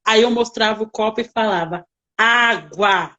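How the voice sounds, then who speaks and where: A woman working as a nanny, telling stories in a casual interview with lively, emotional reenactments. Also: sits high, moderate pace, muffled recording, slight background noise.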